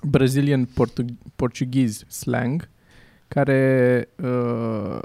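Bărbat tânăr, glumeț, sunet sec. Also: male voice, medium pitch, fairly even intonation, gravelly, mellow, no echo. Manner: jokey, drops English phrases. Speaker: podcast co-host. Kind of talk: casual chat.

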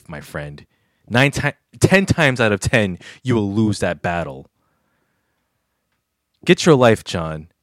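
A male podcast host talks in casual banter, teasing and boasting. His pitch swings widely. The sound is dry and close. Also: dry recording. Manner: teasing and boastful, stammers when worked up.

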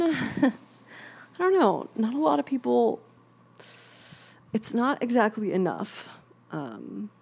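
A woman's voice: medium pitch, vocal fry, a little mellow. A young woman hosting a podcast, explaining ideas in a chatty, candid way, laughing often and swearing for emphasis. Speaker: podcast host. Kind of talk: casual explanatory podcast talk.

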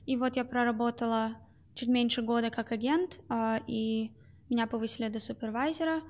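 This young female interview guest has a slightly high, gravelly voice with a somewhat dark tone. She stumbles through frequent hesitations and fillers while explaining what she does at a call center.

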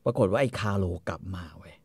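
A man casually retelling a story, crude and animated, acting out the characters. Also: fairly low pitch, fast talker, husky, no room sound.

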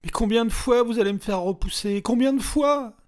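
A man's voice: very high voice, a little fast, voice pushed up. A man voicing a desperate, exhausted woman who sobs and screams in pleading rage. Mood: screaming despair. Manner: shrieking, tearful pleading. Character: desperate suicidal woman, worn out, sobbing.

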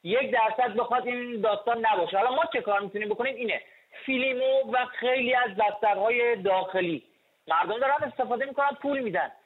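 A man's voice: very high voice, husky. A man calling in to a talk show, speaking with passionate emphasis over a phone line. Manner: impassioned, emphatic. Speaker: caller. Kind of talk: call-in opinion.

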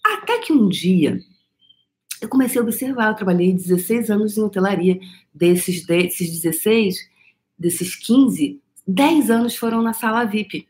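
A middle-aged Brazilian woman talks to her followers in a loose, unscripted monologue. She coaches on energy work in an animated way. She asks herself questions and answers imagined doubts as she goes. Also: medium pitch, a little slow. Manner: animated, rhetorical, voices imagined objections.

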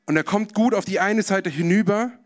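Male preacher, high voice, vivid storytelling sermon that speaks straight to the audience. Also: moderate pace. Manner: vivid, addresses listeners directly.

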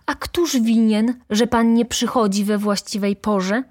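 A woman voicing a hot-tempered, indignant poor young male student who shouts in outrage. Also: medium pitch, expressive, a little slow, pitched above the performer's own voice.

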